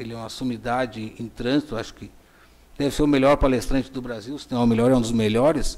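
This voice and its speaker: This man keeps a fairly quick pace. His intonation is fairly even. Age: 50s. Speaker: traffic department coordinator. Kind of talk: council hearing testimony. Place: hall. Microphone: podium.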